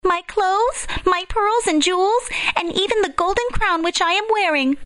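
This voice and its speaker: A woman putting on a high, girlish princess voice. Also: moderate pace. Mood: pleading. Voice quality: very high and bright. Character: spoiled young princess, girlish and fretful.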